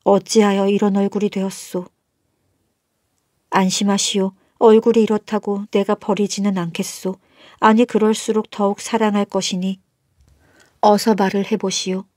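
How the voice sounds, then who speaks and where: A woman's voice: medium pitch, flat delivery, moderate pace, a little mellow, no room sound, studio quality, natural voice. A woman voicing a lonely, fretful middle-aged male magistrate in a storybook, brooding and earnest. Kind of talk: storybook narration.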